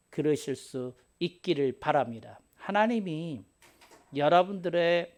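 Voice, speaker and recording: Male pastor, higher voice with a wide, bouncing pitch, playful sermon delivery with laughs. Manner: lively, playful preaching with laughs and acted asides.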